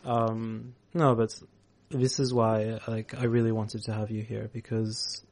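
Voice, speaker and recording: A man's voice: fairly low pitch, level tone, unhurried, darkish tone. A man hosting a community radio show, chatting casually and thinking aloud with fillers. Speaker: radio host. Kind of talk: casual interview chat.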